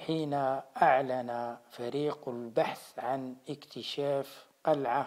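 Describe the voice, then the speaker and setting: With an Algerian accent, a man speaks at a fairly high pitch with fairly even intonation. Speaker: religious preacher. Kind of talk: religious sermon.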